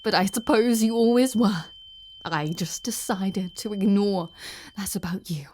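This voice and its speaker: Female performer as possessive ice queen general for intimate audio drama; medium-pitched, unhurried, intense, breathy and halting, cruel with a wounded edge. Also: a little mellow, slight background noise, close to an everyday voice. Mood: cruel, contemptuous. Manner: halting, slow, intense, often dropping to a breathy whisper. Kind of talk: dramatic audio roleplay addressed to the listener.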